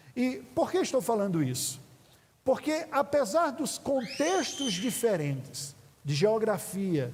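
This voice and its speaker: Amid audible room echo, a man with a Paraíba accent speaks at a very slow pace, high in pitch with very wide pitch swings. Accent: Paraíba (Northeast Brazilian). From Northeast Brazil, Paraíba. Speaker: missionary pastor. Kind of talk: sermon.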